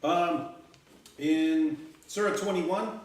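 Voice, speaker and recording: A man's voice: on the high side, drawn-out words. A man on a panel explaining a point step by step, repeating words as he builds it. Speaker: panel guest. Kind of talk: explanatory talk. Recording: echoey room, distant mic, faint noise.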